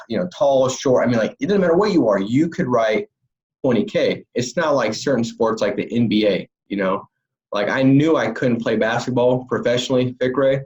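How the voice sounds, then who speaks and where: A man's voice: medium pitch, lo-fi sound. A man hosting a casual livestream interview as a sales trainer, talking in an upbeat, chatty way. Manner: upbeat, chatty, full of fillers.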